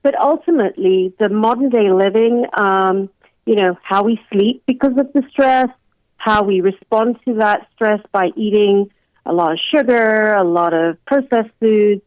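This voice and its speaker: A woman's voice: medium pitch, a little slow, dry recording. Englishwoman on a dull call-in line. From London, England. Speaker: guest family physician. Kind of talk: radio interview, explanatory talk. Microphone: remote call-in line.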